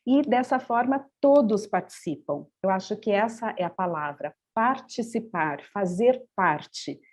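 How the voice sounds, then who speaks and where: Thoughtful Brazilian woman with mellow voice. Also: mid-range voice, lively intonation, measured pace. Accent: Brazilian Portuguese. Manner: thoughtful, many hesitations and restarts. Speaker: panel speaker on bilingual education. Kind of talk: panel discussion answer.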